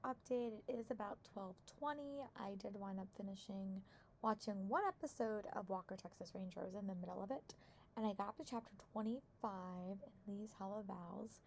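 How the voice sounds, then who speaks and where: A young adult woman with a hoarse voice chatting casually about her reading and teaching day, rambling with many fillers. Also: medium pitch, moderate pace, a little mellow, a little hiss or hum, rough recording. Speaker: book vlogger and theater teacher. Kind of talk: casual vlog chat.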